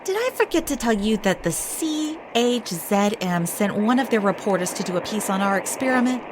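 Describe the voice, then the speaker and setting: Woman voicing a cheeky young lab assistant, folksy talk, higher voice, lively lilt. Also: normal speed, background noise, close to an everyday voice.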